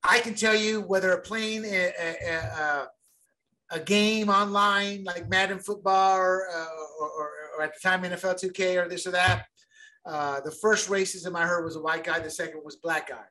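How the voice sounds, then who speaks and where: A man co-hosting a casual sports podcast, talking in an animated, rambling way and repeating words as he gets going. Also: high voice, moderate pace. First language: bilingual since childhood. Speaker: podcast co-host.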